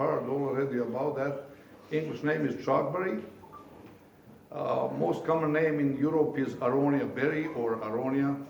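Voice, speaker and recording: Over noticeable background noise and audible room echo, a man with a fairly high pitch talks at a moderate pace with ordinary pitch variation and long, frequent pauses. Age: 60s. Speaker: farmer. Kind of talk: testimony. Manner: halting.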